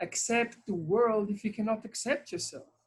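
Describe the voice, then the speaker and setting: Somewhat breathy and fairly high, a woman's voice carries ordinary pitch variation. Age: 60s. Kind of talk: personal testimony.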